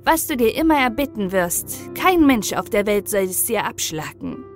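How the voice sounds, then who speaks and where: A woman voicing a kindly little man who grants wishes in an audiobook fairy tale, gentle and generous. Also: mid-range voice, sing-song, normal speed, soft background music, close to an everyday voice.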